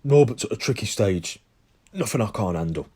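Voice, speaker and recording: A man voicing a big, soft-hearted male gamekeeper who puffs and sobs fondly. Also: lowish voice, expressive, normal speed, husky. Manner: puffing, sobbing, fond.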